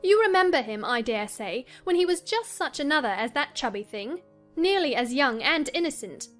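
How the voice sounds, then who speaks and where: A woman playing a willful, troubled young gentlewoman in a dramatized audiobook, earnest and dramatic. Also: high-pitched, big pitch swings, moderate pace, voice pushed up. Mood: wistful, insistent. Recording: music under the voice.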